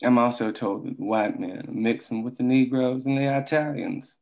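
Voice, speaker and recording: Dull, lo-fi audio of a man acting a commanding company boss. He is curt, cold and authoritative, a mid-pitched villain in a drama table read. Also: normal speed, darkish tone, close to an everyday voice.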